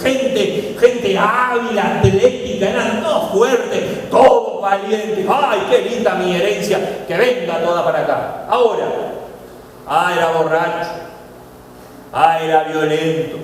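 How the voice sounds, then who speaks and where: A man preaching a sermon, animated and acting out other people's voices. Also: high-pitched, slow pace, slight background noise. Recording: echoey hall, voice from far off.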